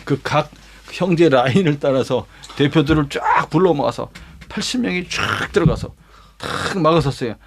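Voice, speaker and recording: Animated high-voiced male pastor. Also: moderate pace. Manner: dramatic, with vivid sound words and rhetorical questions; acts out quoted lines himself. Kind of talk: animated Bible lesson storytelling.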